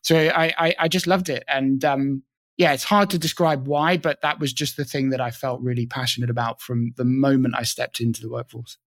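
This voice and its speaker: A man's voice: medium pitch, fairly even intonation, normal speed, fairly bright tone, dry recording, studio quality. A British man talking as a panel guest, enthusiastic and often repeating words as he starts sentences. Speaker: guest, training company co-founder. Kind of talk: casual panel chat.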